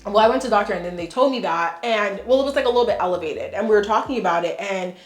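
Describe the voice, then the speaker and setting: A young woman talks in a frank, chatty way, her voice a little stuffy from congestion. She sits at a middle pitch in a room that gives her voice a noticeable echo. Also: rapid-fire, faint music behind. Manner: chatty, frank, laughs often. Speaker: beauty vlogger. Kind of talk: casual get-ready-with-me chat. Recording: echoey room.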